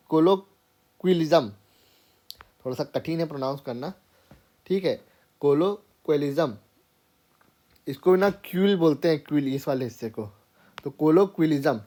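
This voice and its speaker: A man's voice: fairly high pitch, dark tone. A man teaching an informal grammar lesson, explaining step by step and often checking in with his students. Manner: explains step by step, keeps checking in with "theek hai". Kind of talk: informal classroom lecture.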